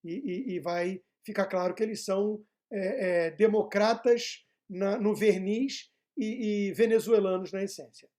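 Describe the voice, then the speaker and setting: Male pundit, dark mellow tone, halting delivery full of fillers, opinionated commentary. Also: high voice, fairly even intonation. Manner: hesitant, many filler sounds and tag questions. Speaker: political commentator.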